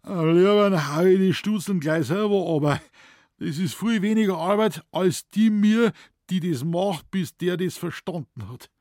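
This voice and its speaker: A man's voice: high voice, animated, measured pace, a little mellow, no echo, clean studio sound, voice pushed up. A man voicing a grumbling old Bavarian forest warden in broad dialect, speaking raised and flustered.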